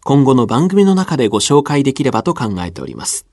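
Polite male radio announcer, lively pitch. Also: quick pace, no echo, studio quality. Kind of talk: scripted radio presentation. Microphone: studio microphone.

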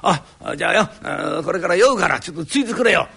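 A man voicing a rough-spoken, grumbling poor tenant in a live rakugo storytelling, with an old Tokyo downtown accent. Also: high-pitched, lively intonation, sharp tone, heavily acted. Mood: chatty. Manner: grumbling, rough, quick retorts. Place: live performance hall.

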